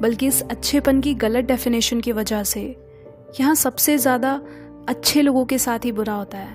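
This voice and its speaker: Music plays behind a woman's voice. Her pitch is high, and her intonation is fairly even. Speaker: poet. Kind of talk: motivational spoken-word poetry.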